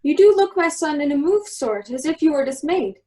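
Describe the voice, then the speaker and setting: Woman doing a commanding wizard duke, quite high voice, formal old verse, radio play style. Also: expressive, brisk, mellow. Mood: reassuring. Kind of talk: Shakespeare performed as a radio play.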